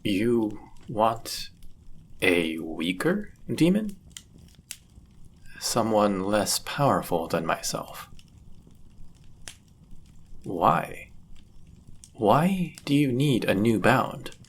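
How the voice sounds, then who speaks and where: Man voicing a slow, low-voiced, devoted demon. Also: very animated, breathy edge, heavily acted. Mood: jealous, indignant. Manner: formal, archaic, theatrical phrasing. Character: powerful male demon, devoted, possessive, jealous servant. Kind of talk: scripted romantic fantasy audio roleplay.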